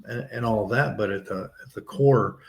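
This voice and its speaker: Man hosting a podcast, lowish voice, talks casually, sums up what his guest says. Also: moderate pace, creaky, a little hiss or hum. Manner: conversational, paraphrases the guest's points, chuckles. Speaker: podcast host.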